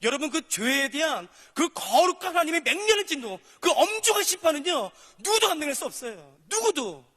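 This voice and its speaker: A man's voice: very high voice, very animated, a little fast, few pauses, bright, forceful tone, in a large hall. A male pastor preaching a sermon, animatedly acting out dialogues between God and sinners.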